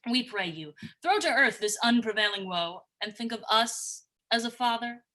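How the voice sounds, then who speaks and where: A woman playing a smooth-tongued, reproving middle-aged king in a livestreamed Shakespeare reading, with formal, stately verse delivery. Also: a little high, expressive, moderate pace, sharp tone. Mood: grand, persuasive. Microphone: remote livestream from own location.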